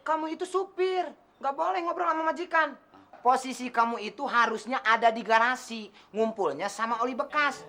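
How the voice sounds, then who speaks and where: A man's voice: very high voice, normal speed, sharp tone, full character voice. An actor playing a man pretending to be rich, showy and bossy, teasing his driver in a TV sitcom. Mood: boastful. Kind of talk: sitcom acting.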